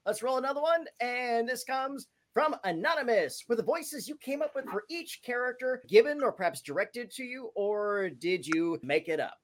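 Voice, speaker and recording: A man's voice: very high-pitched, expressive, moderate pace, hardly any pauses. A man moderating a panel, reading out audience questions in an upbeat, casual way.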